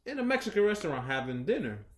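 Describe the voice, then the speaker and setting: A man talks loosely and profanely as a podcast co-host, his pitch swinging up and down as he tells a story. His voice sits a little above the usual male range. The sound carries a clear echo from the room. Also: fast, noisy background. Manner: animated storyteller, acts out quotes with shouty put-on voices. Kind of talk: casual profane chat.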